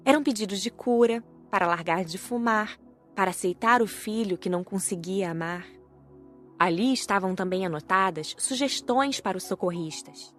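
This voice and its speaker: A woman with a medium-pitched voice narrates a scripted first-person audiobook story, enunciating in a measured, careful way.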